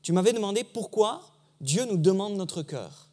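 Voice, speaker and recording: A man's voice: high voice, lively intonation, moderate pace, darkish tone, in a large hall. A man playing a patient, reassuring father.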